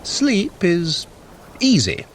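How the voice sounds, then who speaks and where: An actor playing a clever, sly, haughty trickster god in an audio drama, with an arch, theatrical, condescending manner. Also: male voice, high voice, huge pitch swings, extremely slow, slight background noise, heavily acted. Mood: smug, lofty. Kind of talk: scripted audio drama acting.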